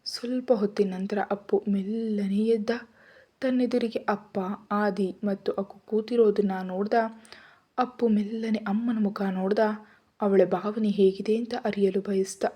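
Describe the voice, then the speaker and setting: A woman narrating a family story in steady, even storytelling. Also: medium pitch, measured pace, husky. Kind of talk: scripted narration.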